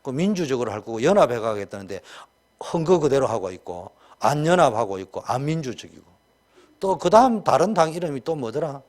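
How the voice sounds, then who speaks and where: A man with a Gyeongsang Korean accent preaching a sermon as pastor, colloquial and emphatic, with many rhetorical questions. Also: mid-range voice.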